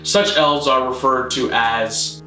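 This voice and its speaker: A man narrating a scripted mock-documentary explainer in a formal, measured, deadpan manner. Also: medium pitch, reverberant, faint music behind, rough recording. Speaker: presenter of a constructed-language video.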